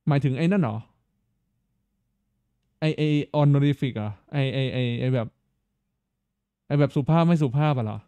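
A man's voice: medium pitch, a little slow, long pauses, no echo, phone-quality sound. A man hosting a casual live stream, thinking aloud, stammering, repeating words and asking his viewers questions. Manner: talks straight to viewers, asking them questions. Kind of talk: casual live-stream chat while playing.

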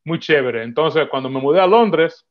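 A man, chatting as a podcast guest in a relaxed way, laughing often and repeating words as he thinks, on a video call from home. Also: fairly high pitch, moderate pace. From Dominican Republic heritage, raised in New York. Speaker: podcast guest, film photographer. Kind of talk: casual interview chat. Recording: slightly dull video-call audio.

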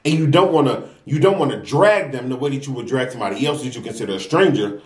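A young American man talks to his viewers in an echoey room at a mid-range pitch. He is earnest and unhurried, chatting casually and confessionally between bites as a mukbang vlogger. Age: young adult. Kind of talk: casual confessional chat to viewers while eating. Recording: roomy, echoey sound.

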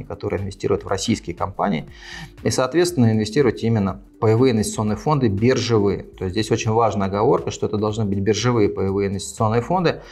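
Man, forties, husky, slightly low voice, investment vlog host, lapel mic, small room. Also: a little mellow. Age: 40s. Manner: fast, measured advisory delivery with frequent fillers. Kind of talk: talking-head explainer to camera. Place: small indoor studio set with desk and lamp.

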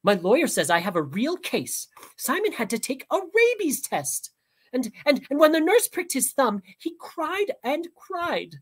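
Brief: a prattling, outraged mom in a storybook, high and shrill, as a woman puts her on. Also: big pitch swings, measured pace. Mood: indignant. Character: overprotective, indignant mother of a spoiled boy.

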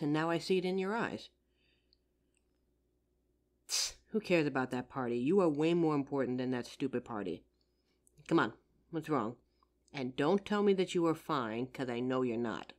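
A woman playing a caring, worried best friend in an audio roleplay, speaking in an earnest, soothing, gently insistent way. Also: sits low. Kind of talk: roleplay audio drama monologue, intimate comforting.

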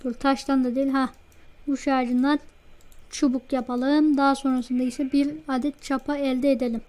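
A woman hosting a let's play, chatting to herself and her viewers as she plays, easily excited. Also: high-pitched, normal speed. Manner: chatty, talks to self while playing, easily excited. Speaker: gaming channel host. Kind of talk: let's play game commentary.

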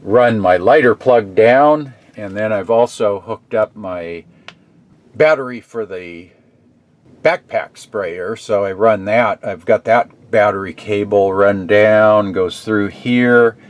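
A middle-aged man casually narrating a hands-on repair in his workshop, thinking aloud with halting fillers, recorded on the camera mic. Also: on the low side. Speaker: DIY repair vlogger. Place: garage workshop and shed.

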